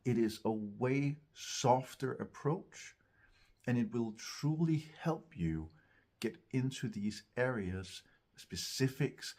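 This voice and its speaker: Husky man giving slow-paced vocal instruction. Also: mid-range voice, lively intonation, dark tone. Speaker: vocal coach. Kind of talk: instructional talk to camera.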